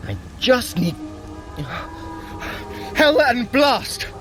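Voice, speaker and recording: A man's voice: very high voice, animated, very slow, a bit bright, faint music behind, full character voice. A man playing a sly, theatrical Norse trickster god in an audio adventure, wry and flamboyant, with elaborate formal wording. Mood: alarmed. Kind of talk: dramatic audio adventure acting.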